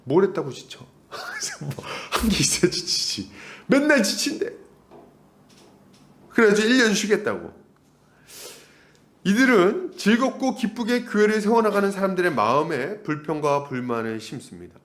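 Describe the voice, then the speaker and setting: A man's voice: sits high, wildly swooping pitch, moderate pace, long pauses, a bit bright. A male pastor preaching an expository sermon, throwing rhetorical questions at the congregation and acting out the voices he quotes.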